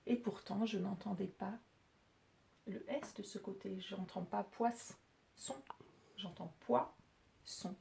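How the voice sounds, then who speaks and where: A woman's voice: mid-range voice, fairly even intonation, mellow, a little hiss or hum. A woman teacher patiently explaining French spelling and syllables to pupils. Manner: slow, patient, clearly articulated explanations. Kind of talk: spelling lesson for children.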